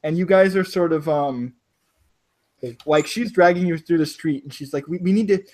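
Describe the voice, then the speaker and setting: Man, game master, from south florida, no accent, chatty, many fillers, fairly high voice. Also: moderate pace, darkish tone. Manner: chatty, full of "like" and restarts. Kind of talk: narrating a tabletop game.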